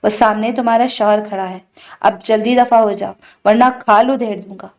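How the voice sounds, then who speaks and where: A woman's voice: medium pitch, fairly even intonation, natural voice. A woman voicing a harsh, threatening older man, the family patriarch, in a storybook reading.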